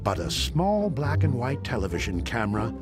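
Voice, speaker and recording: A man's voice: mid-range voice, sing-song, moderate pace. A man reading scripted, dramatic documentary narration. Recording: studio narration over prominent music.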